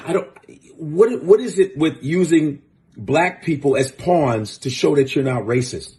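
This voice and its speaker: A man rants as host of a casual commentary show, blunt and profane, his voice climbing and dropping with lively swings. He sits a touch high for a man. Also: unhurried. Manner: blunt, profane, fired-up ranting.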